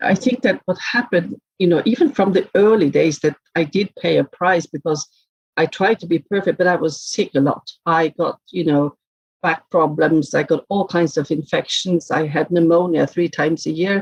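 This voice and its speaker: The speaker talks at a moderate pace in a Norwegian accent, with ordinary pitch variation and very even loudness. The sound is dry and close, with no echo. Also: woman, fairly low pitch for a woman. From Northern Norway. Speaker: head of diversity and inclusion at a bank. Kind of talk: podcast interview answer.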